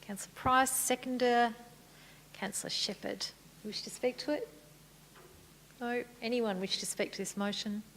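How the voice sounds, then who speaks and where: A woman serving as mayor and chairing a council meeting, moving briskly through formal procedure with light good humour. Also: fairly high pitch, steady tone, fairly bright tone, slight background noise, rough recording. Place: council chamber.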